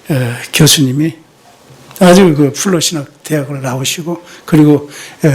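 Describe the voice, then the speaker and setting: Preaching from a church sanctuary, a missionary keeps putting rhetorical questions to the congregation and slipping in quick "yes" remarks. His voice is husky and fairly high in pitch.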